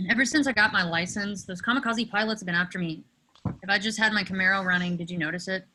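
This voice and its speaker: A woman playing an awkward, excitable, friendly teenage boy in a virtual table read. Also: mid-range voice, quick pace, poor audio. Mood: cocky, excitable.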